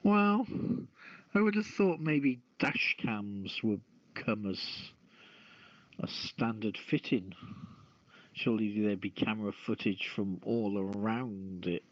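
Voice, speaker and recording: A radio show co-host muses about the news in a casual, jokey chat, often posing questions. His lowish voice is animated and slow, and the recording is dry, muffled and lo-fi.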